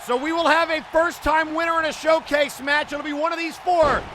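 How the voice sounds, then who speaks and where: A man giving live play-by-play wrestling commentary with excited, exclamatory calls. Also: very high voice, brisk. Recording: noisy event audio with loud crowd. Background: crowd and arena noise.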